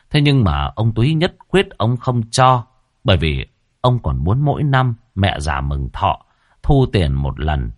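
A man, narrating a folksy ghost story in a lively, colloquial way. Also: fairly low pitch, dry recording, studio quality.

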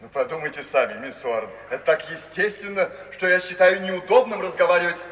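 An actor playing a genteel, romantic gentleman artist in a 1950s radio play, courteous and theatrically earnest. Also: high-pitched, brisk. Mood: evasive, polite. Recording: old hissy radio recording, echoing and distant.

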